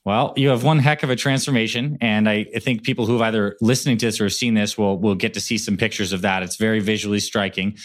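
A man's voice: on the low side, steady tone, fast, hardly any pauses. Upbeat male podcast host. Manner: upbeat, encouraging. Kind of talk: interview with introduction.

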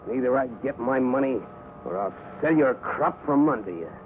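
An actor playing a mean, greedy moneylender who snarls contemptuous threats at a debtor, in 1950s radio drama style. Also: male voice, mid-range voice, animated, moderate pace, lightly acted. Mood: snarling. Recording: narrow, hissy 1950s radio broadcast.

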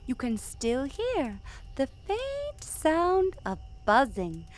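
A woman narrating an audio drama tale in a measured, wistful way. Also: sits high, huge pitch swings. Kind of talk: storybook narration.

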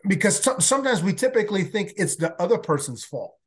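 A man's voice: high-pitched, big pitch swings, fast talker, husky. A man from El Salvador with a faint Salvadoran Spanish accent, a native Spanish speaker, talking earnestly as a podcast guest and often restarting his words. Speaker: podcast guest, workplace learning consultant. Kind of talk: casual interview talk.

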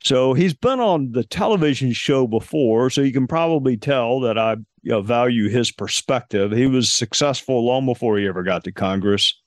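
A man hosts an interview podcast in a calm, measured voice. He speaks thoughtfully, with pauses and a few fillers. The sound is dry and close, with no room echo. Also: mid-range voice. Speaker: podcast host. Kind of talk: conversational interview.

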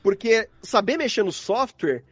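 A man's voice: high-pitched, lively intonation, a little slow, a bit bright, breathy edge, no echo. A Brazilian man explaining things in casual, rambling, slangy conversation, like a guest on a podcast. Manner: informal, rambling, uses slang.

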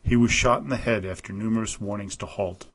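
A man's voice: lowish voice, steady tone, fairly quick, fairly bright tone, poor audio. A man narrating a history podcast from a script, reading out quotes from letters and memoirs with a slightly raised voice.

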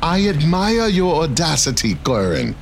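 A fussy, stern skipper played by an actor in an audio drama. The delivery is formal and slow with animated pitch, over faint boat noise. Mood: stern, measured. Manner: formal, clipped, indignant.

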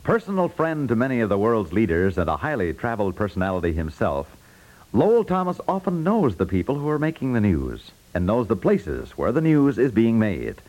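A man reading scripted promos as a polished 1950s network radio announcer, with measured emphasis. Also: lowish voice, very animated, darkish tone, poor audio.

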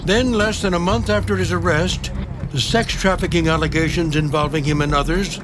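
A man's voice: a little high, fairly even intonation, moderate pace, noisy background. An American man narrating a true-crime documentary in a dramatic tabloid TV style, with a scripted delivery. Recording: music playing behind narration. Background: dramatic background music.

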